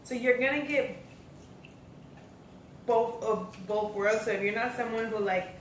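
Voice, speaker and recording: A woman's voice: on the high side, a little slow. A young American woman vlogger in casual, informal storytelling chat. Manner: informal, acts out quoted remarks. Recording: echoey room, distant mic, faint noise.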